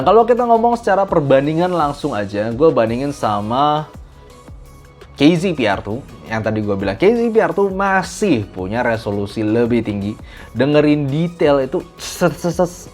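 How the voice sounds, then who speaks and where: A man from Indonesia giving a casual, animated spoken review of audio gear, mixing in English phrases. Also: mid-range voice.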